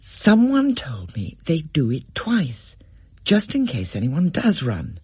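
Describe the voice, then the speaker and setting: A reader voicing a sensible, bossy schoolgirl who takes charge of her friends, in a husky voice. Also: medium pitch, wildly swooping pitch, slow pace, darkish tone, dry recording, clean studio sound, voice pushed up, exaggerated voice. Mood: confiding.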